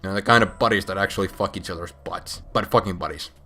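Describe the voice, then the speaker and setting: A man's voice: low voice, fast, sharp tone. A man casually and comically retelling a story in a drunk, rambling, crude way, repeating himself and trailing off. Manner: crude, heavy swearing. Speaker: storyteller recapping a video game plot.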